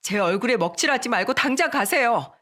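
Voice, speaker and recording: A narrator voicing a scornful young fiancée. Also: female voice, fairly high pitch, lively intonation, fairly quick, sharp tone, pitched above the performer's own voice. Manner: curt, dismissive, raised voice. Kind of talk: storybook narration.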